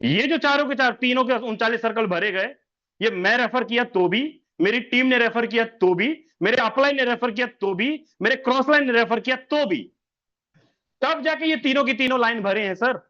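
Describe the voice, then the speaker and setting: Male presenter with a bright, forceful voice, drilling sums and quizzing listeners as sir on a muffled online call. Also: very high voice, normal speed. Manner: repeats figures, fires rhetorical questions, keeps saying sir. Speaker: business presenter. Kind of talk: sales presentation over an online meeting.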